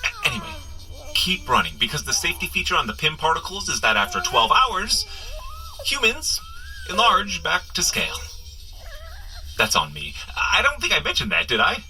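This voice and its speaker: A man's voice: a little high, wildly swooping pitch, moderate pace, pauses often, bright, forceful tone, faint music behind, exaggerated voice, poor audio. A man playing a flustered, wisecracking superhero who rambles sheepishly as he coaches a runner in a comedic audio drama. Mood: apologetic, joking. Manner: rambling, sheepish, nervously joking asides. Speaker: character guide in an audio running adventure.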